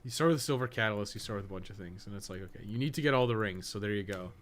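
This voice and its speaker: A man's voice: fairly low pitch, rapid-fire, a bit bright. A man giving casual, rambling commentary as he plays a game, blunt and sweary in an offhand, grumbling way. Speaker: podcast co-host playing a video game. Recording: clearly noisy background behind the voice.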